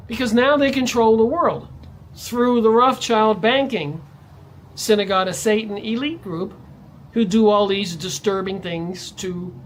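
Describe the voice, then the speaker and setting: A man's voice: high-pitched, slight background noise. A man vlogging in a ranting monologue, his voice jumping up sharply on stressed words. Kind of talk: monologue to camera.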